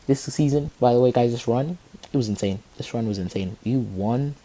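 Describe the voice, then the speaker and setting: A young man talks football on a podcast in a husky, slightly rough voice with a warm, mellow tone. He gets worked up fast, laughs a lot and keeps repeating himself for effect. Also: mid-range voice. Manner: excitable, keeps repeating "tell me why", laughs often. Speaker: podcast host. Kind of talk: casual football chat.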